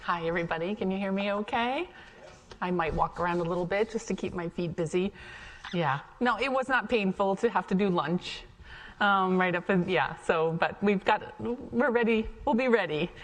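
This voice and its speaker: Speaking conversationally to an audience, a middle-aged American guest speaker from Ohio, a chef who founded a cafe, shares stories from her own life. Her mid-range voice moves at a moderate pace, with slight background noise and the long reverb of an echoey hall.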